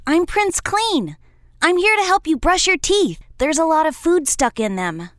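A woman's voice: very high voice, sing-song, measured pace, fairly bright tone, no echo, clean studio sound, voice pushed up, exaggerated voice. Woman doing a chirpy boy prince. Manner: eager, chirpy and encouraging. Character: brave cheerful young boy prince. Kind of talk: storybook character voice.

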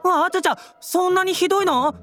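A woman's voice: extremely high pitch, brisk, a bit bright, faint music behind. Woman doing a perky young constable. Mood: cheery. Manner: bouncy, exclamatory. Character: cheerful young police constable.

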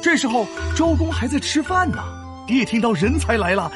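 An actor as an animated, boastful dragon storyteller. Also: medium pitch, normal speed, music in the background, natural voice. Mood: enthusiastic storytelling. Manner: theatrical, teasing, explanatory. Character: boastful, learned five-thousand-year-old dragon storyteller. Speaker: storyteller and teacher. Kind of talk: animated children's educational audio drama storytelling.

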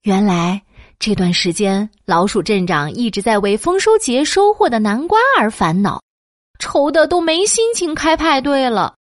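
Expressive woman storyteller. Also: on the high side, moderate pace, no room sound, studio quality. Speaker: narrator. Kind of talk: scripted children's story narration.

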